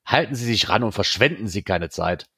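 A man's voice: fairly low pitch, animated, a little fast, bright, forceful tone, husky, no room sound, studio quality, full character voice. A man reading aloud, voicing a condescending manager who stays coolly polite. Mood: curt. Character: smug, unpleasantly polite male boss.

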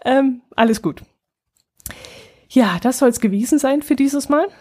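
A woman's voice: high-pitched, unhurried. A woman hosting her own podcast, talking casually and at ease, with fillers and small laughs. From Allgäu, Germany. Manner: chatty and relaxed, with frequent fillers and small laughs. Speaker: podcast host. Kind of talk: casual solo podcast chat.

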